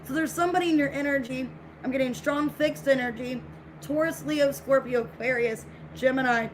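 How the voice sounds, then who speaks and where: A woman's voice: high-pitched, moderate pace. A woman giving a casual tarot reading to viewers, speaking in a repetitive, reassuring way, with her voice getting scratchy. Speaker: tarot reader.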